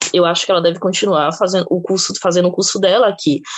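A woman's voice at a medium pitch. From Northeast Brazil (Aracaju, then Fortaleza). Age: 30s. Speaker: art student. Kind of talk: interview. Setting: video call. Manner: halting, many fillers and repetitions.

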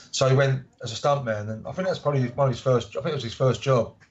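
A somewhat breathy, fairly high-pitched man at a very fast pace. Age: 50s. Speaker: author and martial arts instructor. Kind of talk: casual interview.

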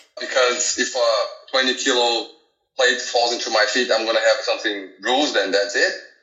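With a Portuguese accent, a man speaks at a moderate pace amid audible room echo. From Brazil. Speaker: martial arts champion and fitness coach. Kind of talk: casual interview. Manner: energetic.

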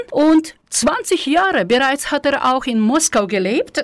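The speaker has a Russian accent. The pitch moves in very wide swings. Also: woman. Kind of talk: bilingual radio show presentation. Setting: studio.

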